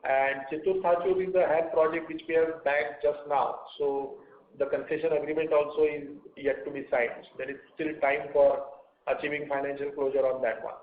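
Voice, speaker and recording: Exec, slightly high-pitched, measured, tinny phone line. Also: male voice, flat delivery, roomy sound. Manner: measured, frequent "uh" pauses. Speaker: company executive. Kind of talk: earnings call answers.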